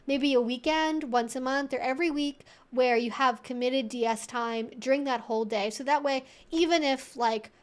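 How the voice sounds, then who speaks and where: A woman hosting a live Q&A, talking casually and explaining things in a conversational, animated way, often acting out imagined thoughts. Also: high voice, moderate pace, hardly any pauses. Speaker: host of a weekly live Q&A stream. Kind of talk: casual educational chat, answering viewers.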